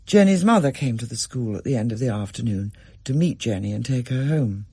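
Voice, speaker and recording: A very husky, breathy storyteller reading a thriller aloud, the voice rising and falling expressively. The sound is close and completely dry. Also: mid-range voice, lively intonation, a little fast, mellow, dry recording.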